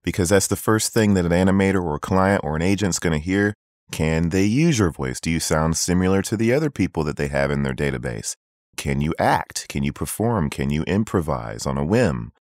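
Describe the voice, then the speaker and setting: Low-voiced man giving emphatic advice. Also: expressive, a little fast, a little mellow, no room sound, studio quality. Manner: emphatic, repeating points for stress. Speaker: voice acting tips host. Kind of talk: casual advice to beginners.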